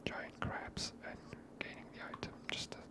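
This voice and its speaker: Casting: hushed ASMR game streamer, whispered delivery throughout, unvoiced and soft. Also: moderate pace.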